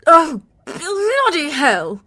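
Woman acting a wry, sharp-tongued female lover for audio drama: high, very animated, expressive. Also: slow, heavily acted. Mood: outraged, sardonic. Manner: expressive, sardonic, swearing.

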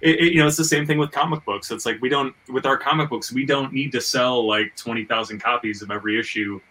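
Male podcast host, very bright voice, recorded at a distance; enthusiastic, stammering, conversational. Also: medium pitch, fast talker. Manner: rambling, stammering, repeats words as he thinks. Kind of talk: casual conversation about making independent comics and audio.

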